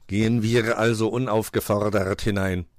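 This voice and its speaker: A man voicing a sensible black-feathered bird in a storybook, measured and given to cawing. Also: lowish voice, little pitch movement, dry recording, studio quality, natural voice. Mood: matter-of-fact. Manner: measured, caws between phrases.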